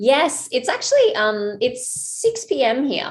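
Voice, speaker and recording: With an Australian accent, a woman speaks very slowly, her pitch swinging very widely. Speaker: entrepreneur, former magazine editor. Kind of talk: interview.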